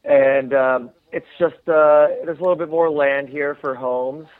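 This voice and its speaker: A man from the United States, a former Olympic swimmer, answering interview questions in a reflective, halting way with many fillers. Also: on the high side, steady tone, no echo. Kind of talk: casual interview conversation. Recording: tinny phone-line sound, dry.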